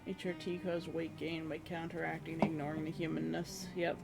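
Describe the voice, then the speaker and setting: Hoarse home streamer, middle pitch, rambling self-mocking chat, faint music behind. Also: flat delivery, moderate pace. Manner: rambling, self-deprecating, laughs often. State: hoarse, losing voice. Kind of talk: casual chat with viewers. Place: own room at home.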